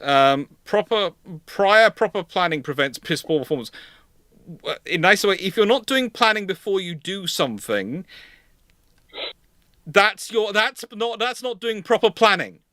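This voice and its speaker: A man's voice: high voice, animated, unhurried, sharp tone, no echo. A man answering questions on a live history stream, repeating and restating himself emphatically as he explains. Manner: hesitant repetitions, emphatic restating. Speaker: host of a naval history livestream, consultant.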